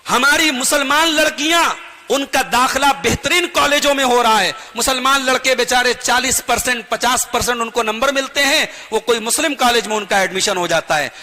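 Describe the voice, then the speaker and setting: A man's voice: very high voice, normal speed, bright, forceful tone. A man preaching a sermon, earnest and pleading, with rhythmic repetition and rising emphasis. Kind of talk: sermon to a gathering. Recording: long hall reverb.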